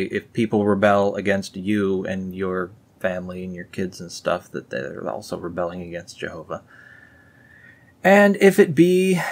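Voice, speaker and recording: A young man with a low voice reads archaic scripture aloud in a raised, formal tone. Between verses he drops into dry, mocking asides, full of fillers and restarts. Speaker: reader and commentator. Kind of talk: reading scripture aloud with sarcastic commentary.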